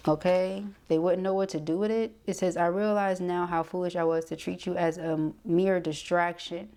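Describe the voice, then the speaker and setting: Female tarot reader, lowish mellow voice, conversational delivery with frequent check-ins. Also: fairly even intonation, normal speed. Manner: conversational, punctuated with frequent check-in tags like okay and right. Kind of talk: casual intuitive tarot reading to camera.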